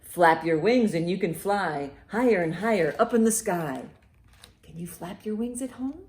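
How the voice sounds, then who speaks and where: A woman hosting a children's storytime in an animated, encouraging, sing-song way, with rhymes and picture-book reading. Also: mid-range voice, moderate pace, a little hiss or hum. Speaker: library storytime host. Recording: roomy, echoey indoor sound.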